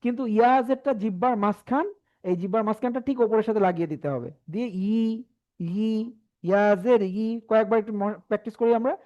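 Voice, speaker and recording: A man teaching a Quran reading class, patiently saying each letter sound slowly and having the class repeat after him. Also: high voice. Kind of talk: online class lesson. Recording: dull lo-fi.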